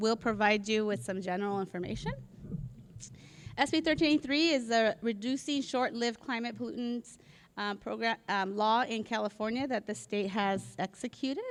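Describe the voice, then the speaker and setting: A woman speaks with a fairly high pitch at a moderate pace. It is a plain, everyday voice with ordinary pitch variation. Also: very clean recording, silent background. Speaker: waste service company representative. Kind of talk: public presentation. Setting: community town hall meeting with audience.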